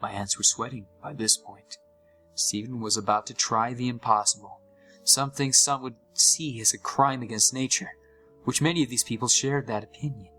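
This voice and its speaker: A man's voice: medium pitch, normal speed, pushed and bright, soft background music, close to an everyday voice, low-quality recording. A young man playing an uneasy gamer who narrates a scripted horror story with dramatic, suspenseful delivery. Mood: disturbed, suspenseful. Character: uneasy young male gamer recounting a haunted game.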